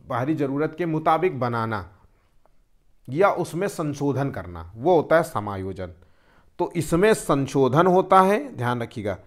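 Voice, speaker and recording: A man teaching an exam-prep lesson, explaining step by step and posing questions he then answers himself. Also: mid-range voice.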